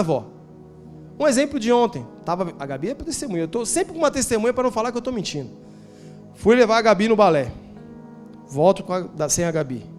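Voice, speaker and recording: A man's voice: high-pitched, a little mellow. A man in his forties with a Brazilian Portuguese accent, preaching a sermon in a conversational, storytelling way, tossing in rhetorical questions and slangy asides. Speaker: pastor. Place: church.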